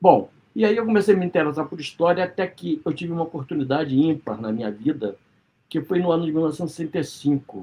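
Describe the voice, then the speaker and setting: Lively in intonation, a man talks very fast in a fairly high voice. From Rio de Janeiro, Brazil. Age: 70s. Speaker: historian. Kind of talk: interview.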